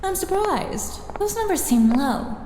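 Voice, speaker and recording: A woman's voice: extremely high pitch, sing-song, measured pace, noisy background, heavily acted. A woman playing a ruthless, witty lead scientist in an audio drama, dry, imperious and formally spoken. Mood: coolly calculating. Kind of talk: first-person audio drama narration and dialogue.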